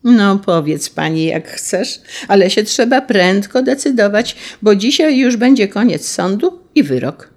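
A woman's voice: mid-range voice, animated, a little slow, hardly any pauses, a little mellow, voice pushed up. A woman voicing a sweet-voiced, menacing male tsarist general who speaks with a drawling, sing-song delivery.

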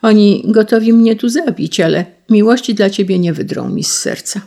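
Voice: mid-range voice, normal speed, creaky, dark tone, pitched above the performer's own voice, close to an everyday voice. A reader doing a desperate young princess. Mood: pleading. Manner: pleading, emotional.

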